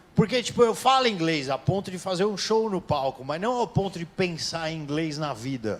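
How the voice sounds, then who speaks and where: The man's voice is high in pitch, with lively intonation and a moderate pace. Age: 30s. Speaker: stand-up comedian. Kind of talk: stand-up. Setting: stage with audience.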